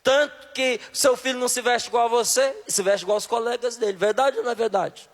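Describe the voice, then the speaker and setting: High-voiced preacher from Brasília, reverberant hall. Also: male voice, steady tone, brisk. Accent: Brasília Portuguese. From Brazil, Brasília. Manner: questions the audience directly, emphatic. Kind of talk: sermon. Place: large hall with a live audience. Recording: long reverb of a large hall.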